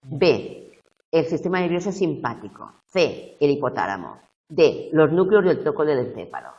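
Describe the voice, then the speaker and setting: A woman university tutor going over exam questions slowly, checking whether her students follow. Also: low-pitched, very animated, darkish tone, distant mic, highs cut off.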